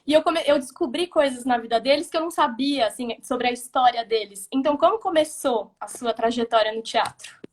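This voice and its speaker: A woman's voice: high-pitched, brisk, hardly any pauses. A woman hosting a live-stream interview, asking friendly, short questions. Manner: friendly, brief prompting questions. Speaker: interviewer, host. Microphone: video call.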